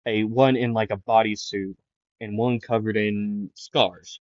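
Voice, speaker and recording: A man's voice: on the low side, steady tone, a little slow, no room sound, lo-fi sound. A man casually improvising a fan story, rambling with many fillers and restarts. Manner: rambling, self-interrupting, filler-heavy.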